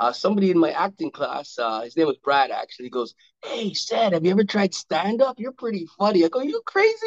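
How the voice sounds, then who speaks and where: Over a quiet background, a man with a high pitch races along at a very fast pace, his pitch swinging very widely. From Jamaica, raised in Montreal. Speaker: stand-up comedian; stand-up comedian guest. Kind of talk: casual interview. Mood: animated, playful. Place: home room. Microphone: video call.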